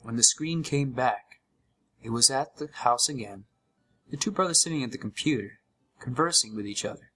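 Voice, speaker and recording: A man giving an expressive, scripted first-person narration of a horror story. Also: mid-range voice, moderate pace, faint music behind, low-quality recording.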